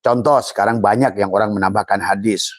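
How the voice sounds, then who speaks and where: A man's voice: fairly low pitch, fairly even intonation, a little fast, no room sound, clean studio sound. An older man, an Islamic preacher, giving a rambling religious teaching talk with many fillers and restarts, quoting Arabic phrases.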